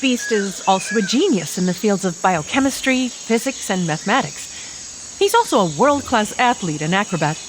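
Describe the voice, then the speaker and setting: A woman playing a calm, reassuring telepathic superhero mentor in an audio drama, explaining things as she goes. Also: medium pitch, moderate pace, slight background noise, lightly acted, poor audio. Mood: composed, reassuring. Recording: clear outdoor jungle sound effects.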